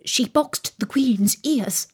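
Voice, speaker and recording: A woman voicing a timid, anxious male white rabbit in a storybook, breathy and hushed, with a nervous, furtive manner. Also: fairly high pitch, slow, pitched above the performer's own voice, heavily acted. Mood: frightened.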